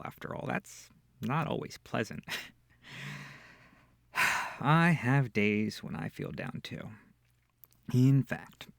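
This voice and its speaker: A man playing a kind, comforting incubus demon in an intimate ASMR roleplay, speaking softly and tenderly with hesitant, breathy reassurance. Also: mid-range voice, no echo, clean studio sound. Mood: sympathetic, awkward. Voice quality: breathy, often near whispering. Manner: soft, tender, hesitant, soothing. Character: gentle, comforting, shy-sweet male incubus demon.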